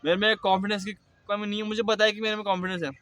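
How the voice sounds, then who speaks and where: Young man with a high throaty voice. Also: little pitch movement, a bit bright. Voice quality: throaty, slightly thick voice. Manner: speaks slowly and deliberately, with occasional stammers. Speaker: vlogger. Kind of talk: casual personal vlog monologue.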